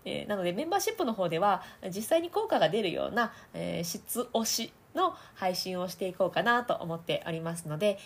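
Lively breathy woman podcaster. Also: mid-range voice, a little fast, few pauses. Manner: chatty, laughs often, demonstrates voice placements. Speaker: voice trainer and podcast host. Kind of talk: casual audio podcast talk.

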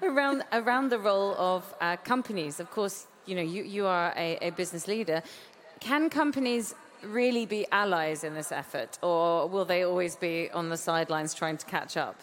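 A woman's voice: fairly low pitch, normal speed, a little hiss or hum. A woman hosting a conversational panel interview, putting questions to her guests. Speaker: host, interviewer.

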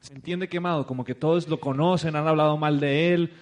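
A business speaker with a Mexican accent talks briskly in a slightly high voice. Before an audience, he tells an animated story and performs the people he quotes.

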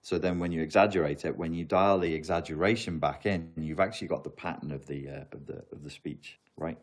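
Deep-voiced joking man. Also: brisk. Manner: rambling, joking, self-mocking. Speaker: livestream host answering viewer questions. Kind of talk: casual live Q&A chat.

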